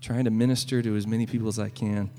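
A man with a Southern US accent speaks earnestly and gently between worship songs as a guest worship leader, with frequent pauses. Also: on the low side, little pitch movement, faint music behind. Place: church sanctuary. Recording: long reverb from a large church hall.

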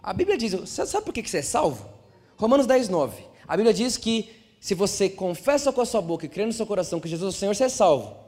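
A young man preaching a sermon, animated, acting out quoted voices and asking the congregation questions. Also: high-pitched, fast talker, big-room sound.

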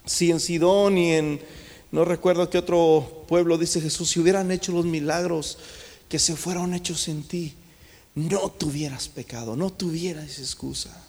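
Man, pastor, fervent sermon, high voice, long church reverb. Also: steady tone, unhurried, a little mellow. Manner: fervent preaching, often addresses the congregation as brothers. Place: church sanctuary.

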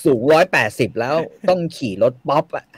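A man retelling a classic Thai tale in casual, slangy chat, animated and reciting verse now and then. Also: fairly high pitch, fairly quick, breathy edge, dry recording. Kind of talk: casual comic retelling with acted quotes.

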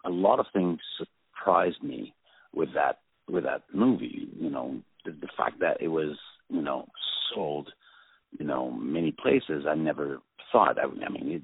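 A man with a French accent and an extremely low, gravelly voice tells stories in a halting, restarting way. His voice is husky and comes through a tinny, phone-like line. The sound is dry, with no room around it. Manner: halting, many restarts and fillers. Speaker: film director guest. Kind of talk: anecdotal interview chat.

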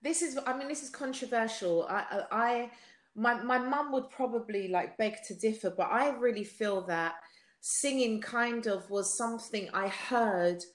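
A woman in her forties, a singer being interviewed, talking in an animated, chatty way with quick laughs and frequent restarts. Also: a little high. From United Kingdom. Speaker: guest singer. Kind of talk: casual interview chat. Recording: echoey room.

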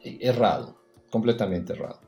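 A man with a low, warm, mellow voice talks as a podcast guest, a native Spanish speaker, telling his stories reflectively and tagging his sentences with a questioning "no". The room sounds echoey, and faint music runs underneath. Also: animated, normal speed, muffled recording. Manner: reflective, storytelling, frequent "¿no?" tags. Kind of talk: casual interview conversation.

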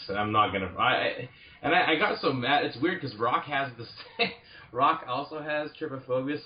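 A man's voice: medium pitch, lo-fi sound. A man talking as a podcast guest, rambling and restarting his sentences. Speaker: comic book writer guest. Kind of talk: casual podcast chat.

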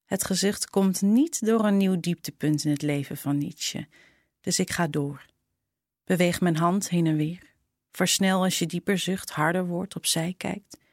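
A woman narrating a short story in a slow, intimate reading style. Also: fairly low pitch, darkish tone, no room sound, studio quality. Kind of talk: scripted storytelling.

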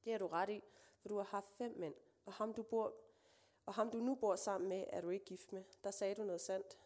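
A woman reading aloud the lines of a calm male teacher speaking to a stranger, in a steady, gently earnest voice. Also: mid-range voice, lightly acted.

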